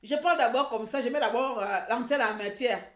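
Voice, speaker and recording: A woman's voice: fairly high pitch, a little fast. A woman from Gabon, an activist ranting sarcastically and scolding on a live stream. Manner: mocking, scolding, repetitive. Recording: echoey room.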